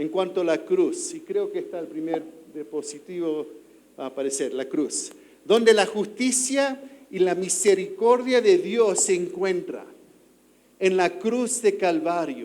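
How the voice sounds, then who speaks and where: A man with a non-native accent at a high pitch, fairly slow, with very wide pitch swings, noticeable background noise and audible room echo. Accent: foreign accent in Spanish. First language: English (speaking Spanish). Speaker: visiting preacher. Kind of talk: sermon. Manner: halting.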